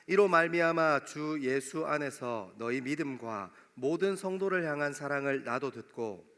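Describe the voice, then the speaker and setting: Young male pastor, regional Korean dialect, slightly high voice, casual sermon delivery in a reverberant church hall. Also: normal speed, fairly bright tone. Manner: conversational, jokes with the congregation. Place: church sanctuary.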